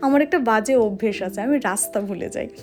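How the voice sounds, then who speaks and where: A woman's voice: medium pitch, quick pace, darkish tone, soft background music. A young woman chats casually and expressively for a vlog, mixing in some English words. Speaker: vlogger. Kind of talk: casual vlog chat to camera and companion.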